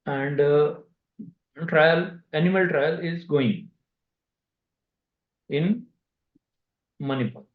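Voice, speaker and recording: A man with an Indian accent answering investors as a company executive on a conference call, speaking haltingly with pauses mid-sentence. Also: a little high. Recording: dull, echoey conference call audio.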